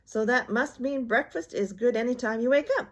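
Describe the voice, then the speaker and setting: An exuberant, boastful storybook tiger acted out by a woman, pitched up and excitable. The delivery is bouncy and exclamatory, with a cartoonish eagerness. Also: moderate pace, close to an everyday voice. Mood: reassuring.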